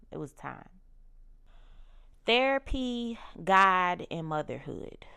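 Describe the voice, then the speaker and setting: Podcast host, woman in her thirties: deep, fry-edged voice, candid and emphatic, repeats her point. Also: a bit bright. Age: 30s. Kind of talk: personal reflective monologue.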